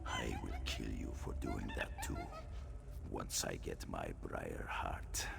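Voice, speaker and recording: An actor playing a proud, menacing tribal warrior in a video game, theatrical and sneering, with a deep gravelly voice. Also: male voice, huge pitch swings, in a whisper, heavily acted. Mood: menacing, reverent. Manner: theatrical, slow, sneering threats. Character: fanatical male Winterborn tribal warrior, menacing, proud, contemptuous. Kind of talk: video game character acting. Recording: music behind the voice.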